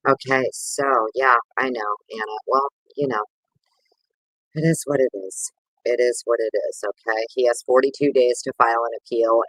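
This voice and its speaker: A man's voice: mid-range voice, a bit bright, no room sound, low-quality recording. A man hosting a casual livestream, chatting with viewers in a rambling, over-caffeinated, sweary way. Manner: informal, sweary slang. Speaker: livestream host.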